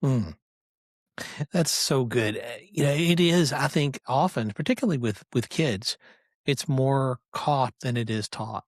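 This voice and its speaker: A man's voice: medium pitch, a little slow, dry recording, studio quality. A middle-aged man hosting a podcast, affirming his guest in an earnest, emphatic way. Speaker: podcast host. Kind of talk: conversational interview.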